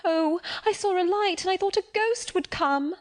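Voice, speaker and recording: A frightened, desperate young girl, read by a woman narrator in an audiobook. She pleads and cries out in a high, strained voice with a timbre that sits apart from the narration. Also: moderate pace. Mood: desperate, pleading. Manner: pleading, crying out.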